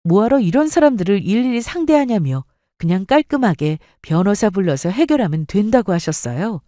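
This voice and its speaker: A woman reads a dramatic first-person story aloud with expressive storytelling. Her intonation is animated and moves a lot. The recording is dry and close, with no room sound. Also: medium pitch, a little fast, dry recording. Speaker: story reader.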